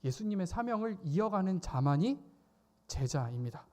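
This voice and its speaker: A man preaching a youth service sermon, animated, often acting out quoted voices with sudden loud exclamations. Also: high-pitched, moderate pace. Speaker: youth pastor. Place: church service.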